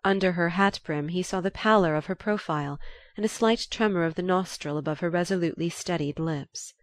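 A woman narrating a novel aloud in a calm, even storytelling manner. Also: on the low side, fairly quick. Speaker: audiobook reader.

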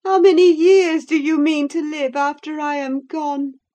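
A shrill, bitter dying young woman. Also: little pitch movement, measured pace, mellow, highs cut off. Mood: bitter anguish. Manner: shrill, anguished, accusing.

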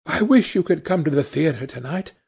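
A man's voice: fairly high pitch, lively intonation, normal speed, vocal fry, a little mellow, slightly rough, heavily acted. A man reading aloud, voicing an eager, dreamy young woman in love with a breathless, gushing manner. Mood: rapturous.

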